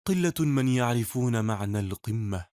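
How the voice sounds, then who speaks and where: A man's voice: mid-range voice, expressive, moderate pace, a little mellow, no room sound. A man with an Egyptian accent delivering scripted advertising voice-over as a commercial voice artist, recorded in a studio.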